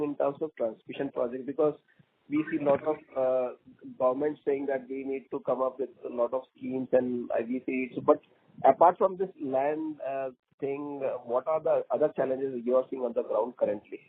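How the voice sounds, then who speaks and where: A man's voice: medium pitch, normal speed, husky. A man, an investor calling in with questions on an earnings call. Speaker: caller, investor asking questions. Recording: muffled, narrow phone line.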